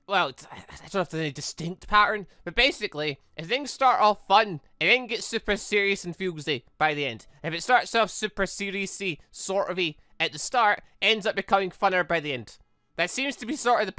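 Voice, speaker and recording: A let's-play host with a bright voice and very animated pitch, recorded close and dry. The commentary is casual and rambling, with thoughts spoken out loud and corrected midway. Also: no echo. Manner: rambling, thinking aloud, self-correcting. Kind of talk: casual gaming commentary, reading visual novel text aloud.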